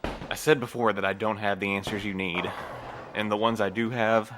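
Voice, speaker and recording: An actor playing a weary, guilt-burdened man in an audio drama, speaking in an earnest, halting way. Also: lowish voice, fairly even intonation, background noise, natural voice. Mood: pained, regretful. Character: weary, guilt-burdened man who translates a forbidden language.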